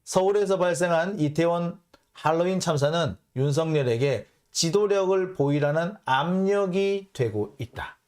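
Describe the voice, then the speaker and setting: A man hosting a political commentary show, reading out foreign news and mocking it in an animated way. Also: fairly high pitch, moderate pace. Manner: animated, mocking, acts out blunt quotes. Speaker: host of a political commentary channel.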